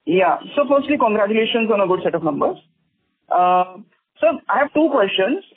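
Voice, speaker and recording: A man's voice: high-pitched, animated, normal speed, husky. A man with an Indian accent calling in by phone to ask polite, slightly hesitant questions on an earnings call. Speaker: caller asking questions. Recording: dry, narrow, tinny phone line.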